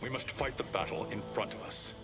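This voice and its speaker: Man playing a deep-voiced, pragmatic fighter. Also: fairly quick, loud music behind the voice, natural voice. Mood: firm, skeptical. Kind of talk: dramatic video game acting.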